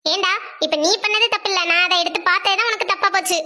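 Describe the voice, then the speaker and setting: A woman's voice: extremely high pitch, steady tone, fast talker, pushed and bright, full character voice. A woman voicing a middle-aged mother in a cartoon family story, scolding and fretful.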